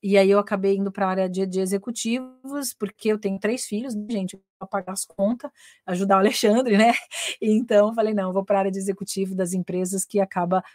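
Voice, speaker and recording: Brazilian woman host, chatty teacher on a live stream, middle pitch, dry close sound. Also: fairly even intonation, fast talker, darkish tone, no room sound. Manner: chatty and laughing, switching between Portuguese and English. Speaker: English teacher hosting a weekly live stream. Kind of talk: casual live-stream chat.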